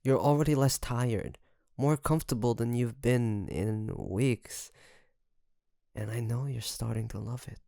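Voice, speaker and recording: A man playing an obsessive, doting kidnapper best friend in an intimate audio roleplay, creaky, coaxing and teasing with soft menace. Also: mid-range voice, steady tone, no room sound, studio quality. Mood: coaxing, smug. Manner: softly menacing, coaxing, teasing, with drawn-out phrases.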